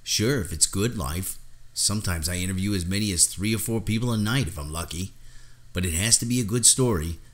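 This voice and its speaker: An earnest young man, put on by an audiobook reader, eager to interview and easily unnerved. His voice is lifted and lively, with an anxious edge. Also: fairly quick, lightly acted. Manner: earnest, anxious, higher and livelier than the narration. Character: eager, nervous young male interviewer, a boy. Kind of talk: audiobook character dialogue.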